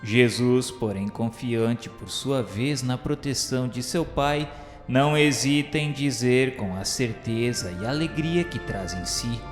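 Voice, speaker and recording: A man's mid-pitched voice echoes through a long reverb over faint music. He narrates very slowly in a Brazilian accent, solemn and grandiloquent, as in a scripted radio drama. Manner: grandiloquent, measured.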